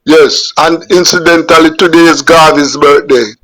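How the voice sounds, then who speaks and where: A Jamaican man in his fifties or sixties, a veteran journalist, answering interview questions on a video call in a measured way, repeating words as he gathers his thoughts. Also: a little high, fairly even intonation, sharp tone, low-quality recording. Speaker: guest journalist. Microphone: webcam on a video call.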